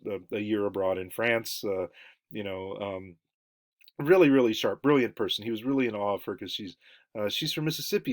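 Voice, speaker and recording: A man giving a lecture, halting with many fillers and restarts. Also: on the low side. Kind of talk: recorded lecture.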